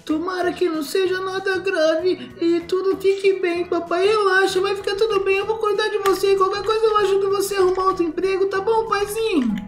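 A man's voice: very high-pitched, fairly even intonation, a little fast, few pauses, faint music behind, pitched above the performer's own voice. A young man voicing a caring, anxious son pleading with his father in a Roblox story. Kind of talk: Roblox story role-play.

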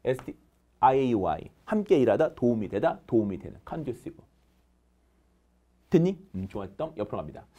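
Animated Korean man teaching vocabulary. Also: mid-range voice, brisk, pauses often. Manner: drills students with call-and-response, counting off answers. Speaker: English teacher. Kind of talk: lively vocabulary lecture.

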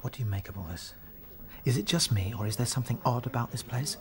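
A British man acting a polite, level-headed young rabbit leader in a radio play, speaking in a measured, questioning way. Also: mid-range voice, lightly acted. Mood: wary.

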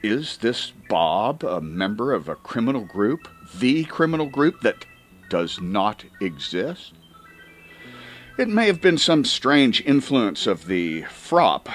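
A man reading a comic first-person story as an audiobook, with dramatic emphasis and drawn-out words. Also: on the low side. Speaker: audiobook reader.

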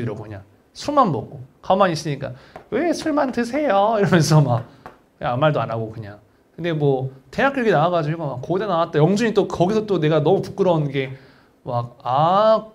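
Young guy teaching a test prep class, high voice that jumps all over, chatty and storytelling. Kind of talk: casual lecture with anecdote.

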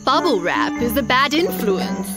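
A woman's voice: on the high side, wildly swooping pitch, a little slow. An actress playing a small, prim, gossipy female forest animal who talks in a knowing way. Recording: cartoon soundtrack with loud music.

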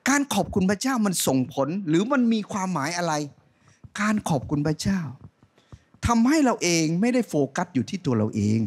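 A middle-aged man preaching a sermon on a church stage into a handheld mic, animated, swinging from loud rising calls to soft low asides. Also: fairly quick. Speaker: pastor.

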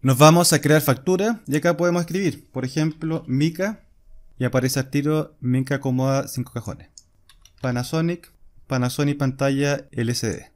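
A programming instructor with a slightly high voice talks at a normal speed, walking through a coding screencast step by step as he types. Keyboard typing and clicks can be heard behind him.

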